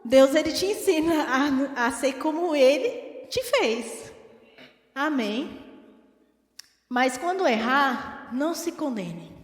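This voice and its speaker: A woman with a Brazilian Portuguese accent preaching a teaching sermon in an animated way, acting out the voices she quotes. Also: high voice, slow pace, pauses often. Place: church hall. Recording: echoey church hall.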